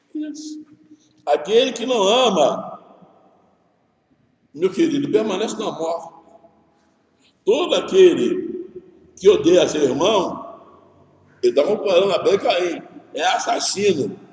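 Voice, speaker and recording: Room echo is audible as a man speaks at an extremely high pitch with very wide pitch swings. His fairly slow delivery includes long, frequent pauses. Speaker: pastor. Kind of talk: sermon.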